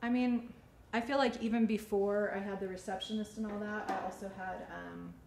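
Creaky-voiced woman chatting through a demonstration. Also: medium pitch, fairly even intonation, normal speed, darkish tone. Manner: chatty, informal. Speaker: salon owner and hairstylist teaching a class. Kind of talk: casual instructional talk during a demonstration. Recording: echoey studio room, faint ambient noise.

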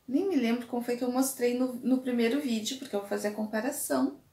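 A woman's voice: fairly high pitch, fast talker. A woman, chatting animatedly to camera as a beauty vlogger reviewing a product. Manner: chatty and animated, gestures a lot while talking. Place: small indoor room with makeup table. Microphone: camera at desk distance. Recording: echoey small room.

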